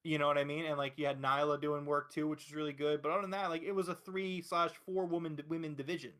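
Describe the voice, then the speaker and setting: A man with a slightly high-pitched voice hosts a casual wrestling talk podcast. He speaks emphatically and gives his opinions freely, swearing as he goes. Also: little pitch movement, fast talker, a bit bright. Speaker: podcast host.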